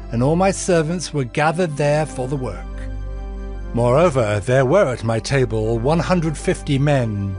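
A man playing a righteous governor narrating his deeds in a dramatized scripture reading, measured and earnest. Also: fairly high pitch, a little mellow. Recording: music bed behind the voice.

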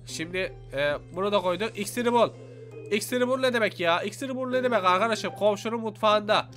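A young man giving excited let's-play commentary, exclaiming and talking to his viewers as he plays. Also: sits high, fast. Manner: animated, exclaims and talks to viewers. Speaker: gaming YouTuber. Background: faint game music.

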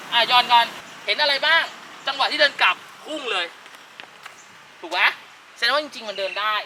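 A man working as a dog trainer, quickly coaching owners through a training session outdoors. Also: high-pitched, sharp tone, distant mic, a little hiss or hum. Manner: quick, instructive, talks directly to the owners.

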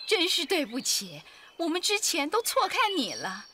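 A woman voicing an excitable, fretful mother goose in a cartoon, with dramatic exclamations. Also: extremely high pitch, normal speed, crowd noise, exaggerated voice. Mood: apologetic.

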